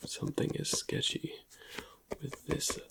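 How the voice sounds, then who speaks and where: A man whispering an ASMR roleplay as a shady but friendly black market dealer, in a breathy, gravelly, hushed voice. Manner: slow, hushed, lingering delivery.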